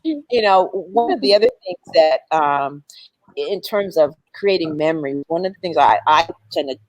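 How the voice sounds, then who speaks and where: A woman's voice: low-pitched, lively intonation, moderate pace, no room sound, low-quality recording. A middle-aged woman hosting a church panel conversation, chatty and laughing easily. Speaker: panel host.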